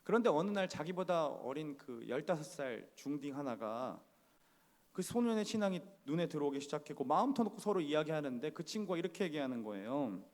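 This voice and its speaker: Lively, conversational male preacher in a church hall. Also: a little high, fairly quick. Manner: conversational, asks the congregation questions. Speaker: pastor. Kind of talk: sermon. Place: church sanctuary.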